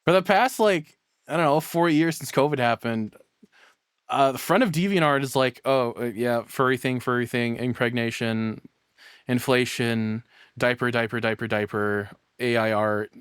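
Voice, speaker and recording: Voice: mid-range voice, moderate pace, clean tone, dry recording, studio quality. A streamer giving casual off-the-cuff reactions, blunt, rambling and foul-mouthed.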